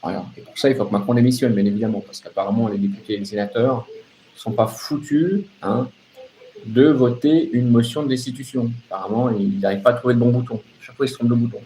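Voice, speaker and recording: A man's voice: medium pitch, fairly even intonation, fast, dark tone, slight background noise, rough recording. A man delivering an off-the-cuff political rant as a live open-line host, sardonic and emphatic, repeating phrases and throwing out rhetorical questions.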